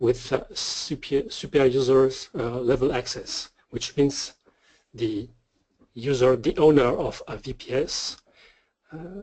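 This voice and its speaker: In a French accent, a man speaks at a fairly slow pace with medium pitch, fairly even intonation and a dark, mellow tone. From France. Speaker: trading server provider, webinar presenter. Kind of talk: webinar presentation. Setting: online webinar. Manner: halting.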